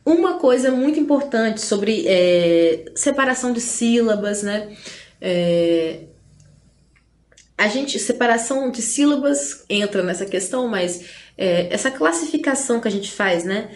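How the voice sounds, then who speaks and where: A Brazilian woman teacher giving an online grammar lesson in a chatty way, often tagging lines with "né?" and slowing down to stress syllables. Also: fairly high pitch, expressive. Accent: Brazilian Portuguese. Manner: chatty, frequent "né?" and "gente" asides. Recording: roomy echo.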